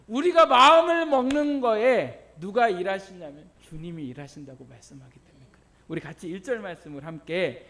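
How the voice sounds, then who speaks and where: High-voiced man preaching a sermon. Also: a bit bright. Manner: asks the congregation questions and answers them himself; tells personal stories with laughter. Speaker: pastor.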